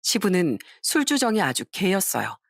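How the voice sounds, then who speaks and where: A woman's voice: fairly low pitch, huge pitch swings, moderate pace, no echo. Female storyteller, first-person scripted narration, close mic, very dry.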